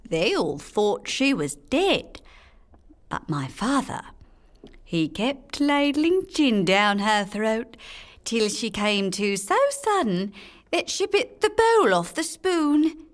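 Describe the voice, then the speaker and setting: A woman's voice: on the high side, big pitch swings, takes it slowly. A woman playing a young, suspicious Cockney flower girl, gossiping emphatically in a radio drama monologue. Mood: indignant, conspiratorial.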